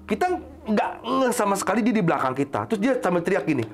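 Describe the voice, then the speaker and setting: A man tells a story in casual podcast chat, his pitch swinging widely as he talks. He jumps into high, loud voices to act out his friends. Soft music plays faintly behind him. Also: fast talker. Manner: animated, jumps up high when acting out friends.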